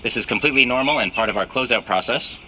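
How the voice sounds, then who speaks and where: A man's voice: mid-range voice, quick pace, pushed and bright, rough recording. A man giving live, explanatory commentary as host of a rocket launch webcast. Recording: clear background noise.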